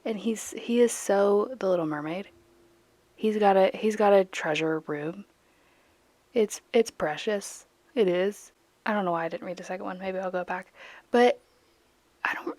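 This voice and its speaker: A woman's voice: mid-range voice, darkish tone, dry recording. A young woman, chatting casually and dramatically in a voice-over while she paints. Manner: chatty, dramatic, self-mocking, bursts of laughter. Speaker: art vlogger.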